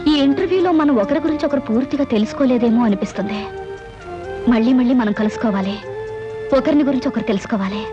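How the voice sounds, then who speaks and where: A woman's voice: on the high side, fast, lightly acted. An actress playing a poised, sweet young woman in film dialogue. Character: confident young woman on a date. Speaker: film actor. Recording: dull film soundtrack with music.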